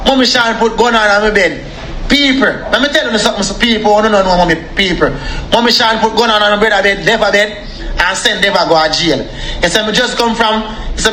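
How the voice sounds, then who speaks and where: A man's voice: high-pitched, pushed and bright, echoey room, slight background noise. A young man with a Jamaican accent ranting angrily on a live stream, repeatedly calling out to his viewers. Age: young adult. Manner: repetitive, addresses viewers as people. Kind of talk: angry live-stream rant.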